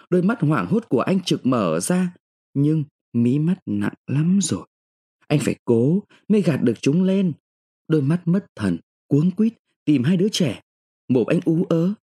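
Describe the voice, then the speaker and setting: A man's voice: medium pitch, dark tone, slightly rough. A man narrating a literary short story in an emotive, dramatic reading style.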